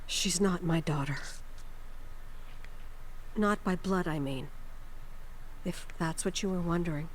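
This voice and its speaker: An actress playing a weary middle-aged mother in a video game, guarded and caring, speaking in a measured, hushed way. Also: fairly low pitch, a little hiss or hum. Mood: reflective, guarded.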